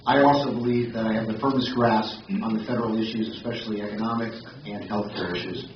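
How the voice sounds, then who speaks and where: A man's voice: fairly low pitch, steady tone, fast, a little hiss or hum. A man giving a pointed campaign speech at a forum. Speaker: candidate at a forum. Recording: echoey hall, far mic, muffled.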